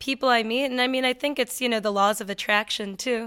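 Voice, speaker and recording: Bright and sharp in tone, a woman with an American accent comes through in a very clean recording against a silent background. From Chicago, US Midwest. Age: 20s. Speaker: garage rock singer and guitarist. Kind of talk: interview. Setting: radio studio.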